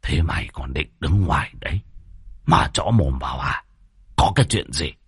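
Man doing a gruff, bullying old village tyrant, very deep voice, dry close sound. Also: animated, normal speed, no room sound, exaggerated voice. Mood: menacing. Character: domineering older male village chief tyrant.

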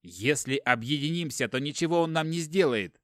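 A man's voice: a little high, animated, normal speed, no room sound, studio quality, pitched above the performer's own voice. A man voicing an enraged captive warrior lord. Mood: pleading. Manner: shouting accusations, defiant. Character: furious captive warrior lord, grown man, hot-tempered.

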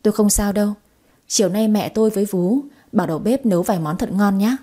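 A woman's voice: medium pitch, fast talker, mellow, slightly rough, lightly acted. A woman voicing a curious, easily flustered young man who owns a villa, read in a storybook audio tale. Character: young wealthy male villa owner, curious and touchy.

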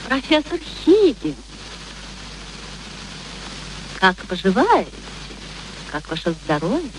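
A woman's voice: mid-range voice, huge pitch swings, normal speed, poor audio. An actress playing a proud young former street girl turned lady, speaking with mannered, pointed politeness in a radio play. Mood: icily polite. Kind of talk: theatrical radio play acting. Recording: faint background noise, archive radio recording.

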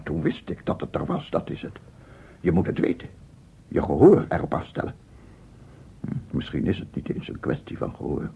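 A brooding, solitary man muses to himself in a radio drama. His voice is very low and swings expressively through halting thoughts. The old recording is muffled and narrow. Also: vocal fry, exaggerated voice. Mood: obsessed, insistent. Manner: musing, halting monologue. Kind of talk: Dutch radio play acting.

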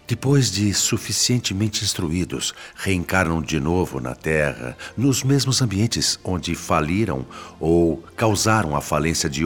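A man playing a serene spirit guide in a radio drama, explaining things in a measured way. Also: very deep voice. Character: serene male spirit guide explaining an afterlife hospital-school.

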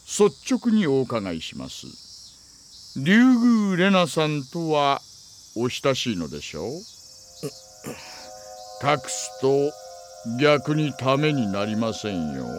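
An actor playing a wily, smooth-talking middle-aged police detective in an audio drama, unctuously polite and insinuating. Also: male voice, medium pitch, big pitch swings, slow pace, long pauses, a little hiss or hum. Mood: insinuating politeness. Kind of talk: Japanese audio drama acting.

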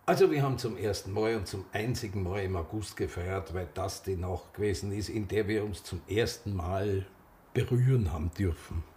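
A man's voice: low voice, moderate pace, music in the background, natural voice. An actor playing an embittered older Viennese gay man reminiscing in a naturalistic radio drama, speaking emphatically. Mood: wistful.

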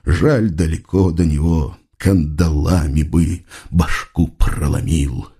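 Guy putting on a low grumbly prisoner scout, slow and scornful, dark tone. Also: husky, exaggerated voice. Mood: sullen. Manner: low muttering, curt. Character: grim captive Russian scout, contemptuous man.

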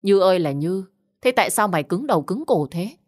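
A woman voicing a harsh, quick-tempered middle-aged mother who shouts insults in an audio story. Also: medium pitch, expressive, close to an everyday voice. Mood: furious.

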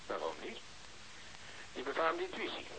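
A man's voice: a little high, huge pitch swings, moderate pace, bright, forceful tone, full character voice, poor audio. A man acting a persistent, sardonic, sceptical police investigator in a radio drama. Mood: insistent. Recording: faintly hissy old radio recording.

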